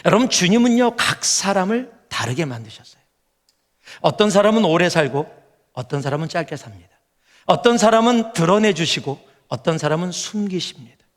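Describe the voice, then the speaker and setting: High-voiced pastor in a ringing hall. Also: male voice, moderate pace. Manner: swings from hushed earnest lines to loud animated storytelling. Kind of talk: sermon. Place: large church sanctuary. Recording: long hall reverb.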